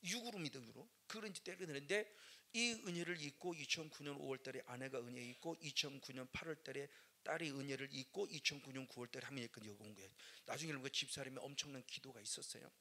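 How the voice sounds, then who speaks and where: A middle-aged male pastor giving a dramatic testimony sermon, swinging between loud outbursts and hushed murmurs. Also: mid-range voice, quick pace.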